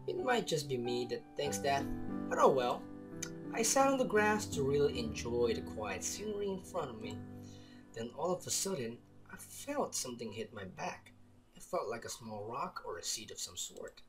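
A young man with a Filipino accent doing casual game commentary and reading story text aloud. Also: medium pitch. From Philippines. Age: young adult. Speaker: gamer hosting a let's play. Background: soft guitar music.

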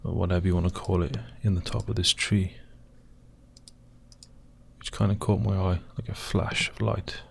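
A man with a croaky voice, talking slowly and hesitantly as he steps through video footage, pausing often with fillers. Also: sits low, little pitch movement, slight background noise. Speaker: video host analysing footage. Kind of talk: slow screen-recorded commentary.

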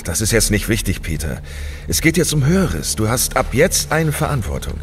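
A man's voice: on the low side, sing-song, moderate pace. A man playing a stern, demanding father in an audio drama, speaking in a solemn, commanding way. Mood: stern, urgent. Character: stern, demanding father burdening his young son.

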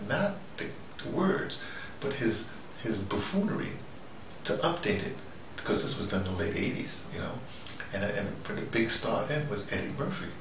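An older American man giving a rambling, conversational monologue in a wry, musing, self-questioning manner. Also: medium pitch. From United States. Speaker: host. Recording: echoey room, noisy, distant mic.

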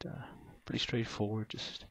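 A middle-aged man, narrating his fishing trip in a laid-back, plain-spoken way with lots of uh fillers. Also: normal speed. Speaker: fishing vlogger. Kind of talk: casual voice-over narration.

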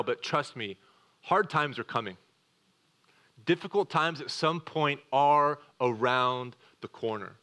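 A man preaching a sermon as a pastor, earnest, speeding through asides and slowing to quiet emphasis on key words, in a church. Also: mid-range voice. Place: church sanctuary.

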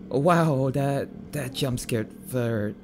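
A jumpy young catboy boyfriend, acted by a man for an ASMR roleplay. He talks slowly at a medium pitch, tripping and stammering over his words, shy and a little bratty but sweet. There is clear noise behind the voice. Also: very animated, darkish tone, full character voice. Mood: startled, flustered. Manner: stammering, halting, hesitant.

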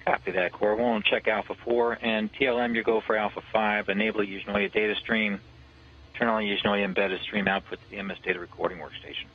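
A low-voiced man reads out launch steps over a muffled radio comms loop, husky and a little dull in tone. He is brisk and procedural, with the odd hesitation between calls. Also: steady tone. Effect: radio communications loop. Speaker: launch conductor. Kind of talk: clipped countdown radio calls.

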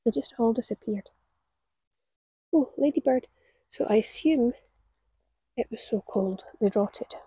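A woman's voice: a little high, unhurried, pauses often, dark tone, breathy edge, no room sound. A woman in her forties chatting casually to camera while working outdoors, telling stories with a laugh. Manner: chatty storytelling, laughs at her own tales. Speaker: gardening vlogger. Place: outdoor allotment garden. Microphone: camera on the ground a few metres away.

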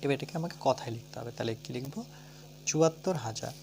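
A man with a Bengali accent teaching a primary-school math lesson. He asks questions and answers them himself, counts slowly aloud and spells words out letter by letter. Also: mid-range voice, vocal fry, a little mellow, slight background noise. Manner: talks through steps, asking and answering his own questions.

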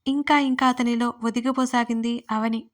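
Even-toned woman narrating a romance story. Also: a little high, normal speed. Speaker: writer and narrator.

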